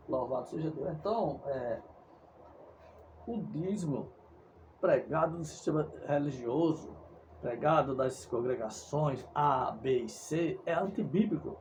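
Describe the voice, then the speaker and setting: A man's voice: fairly high pitch, mellow, a little hiss or hum, rough recording. A Brazilian man preaching a fervent monologue, insistent and repetitive, sometimes stumbling over his words. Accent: Brazilian Portuguese. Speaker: evangelical preacher.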